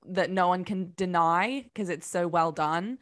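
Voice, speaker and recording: A woman co-hosting a podcast in casual chat, soft-spoken and low-key. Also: measured pace. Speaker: podcast co-host.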